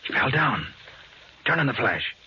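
A man's voice: mid-range voice, big pitch swings, moderate pace, sharp tone. An actor playing a cool, resourceful male private detective in a 1940s American radio crime drama, with an American accent. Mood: grim, knowing. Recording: muffled, noisy 1940s radio recording.

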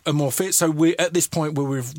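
A man's voice: on the high side, fairly even intonation, fairly quick, darkish tone, no echo. A man hosting a casual chat, easygoing, stumbling over words and laughing along. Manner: easygoing, many restarts and stammers, laughs along.

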